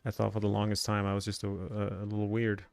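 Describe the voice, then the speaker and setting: Talking fast in a fairly low, monotone voice with a darkish tone and vocal fry, a Swedish man rambles over his gameplay on a live stream. He muses aloud, drops in many fillers, and has only a light Swedish accent.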